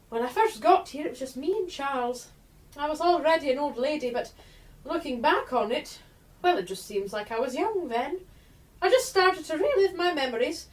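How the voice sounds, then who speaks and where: A woman playing a sentimental, rambling dead old woman in a radio play, gentle one moment and snappish the next. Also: sits high. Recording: distant microphone.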